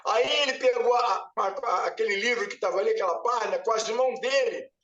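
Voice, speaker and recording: Weeping and pleading, this man retells a vision as he gives an emotional testimony in church as a pastor. He speaks a little fast in a high-pitched, fairly bright voice. The audio is muffled, picked up from afar in a room full of echo.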